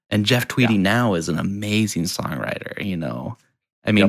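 A man with an American accent talks at a fairly quick pace. He has a normal speaking voice at a fairly low pitch. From small-town Missouri. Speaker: podcast co-host. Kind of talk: casual chat.

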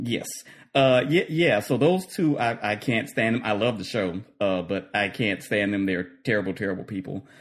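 Here is a man with a plain, everyday voice, a fairly low pitch and lively intonation. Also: moderate pace. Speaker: podcast panel guest. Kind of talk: casual chat.

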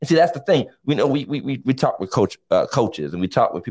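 A man's voice with vocal fry, in a dry, close sound with no echo. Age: 40s. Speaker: pastor and podcast host. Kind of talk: casual chat. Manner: animated.

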